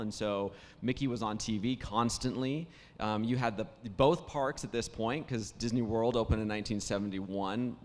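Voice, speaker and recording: A man who is a voice actor, hoarse after days of talking, telling stories in casual panel conversation with plenty of restarts and fillers. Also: mid-range voice, in a large hall. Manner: warm storytelling, many restarts and fillers.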